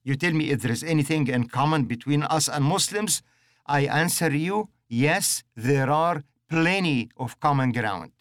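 Man, middle-aged, religious radio host, earnest and emphatic, slightly high voice. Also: expressive, measured pace, no room sound, studio quality. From Egypt. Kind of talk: religious radio teaching program.

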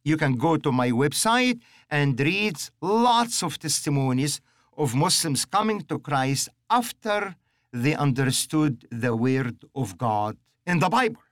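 A man's voice: a little high, lively intonation, a little slow, no echo, clean studio sound. A middle-aged man from Egypt, hosting a religious radio teaching program in an earnest, emphatic, preacherly way.

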